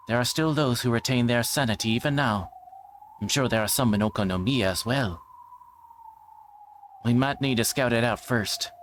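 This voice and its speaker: A man's voice: medium pitch, a little hiss or hum. A man reading a visual novel aloud as a livestreamer, now and then stumbling and rereading. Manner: stumbles over words and rereads them.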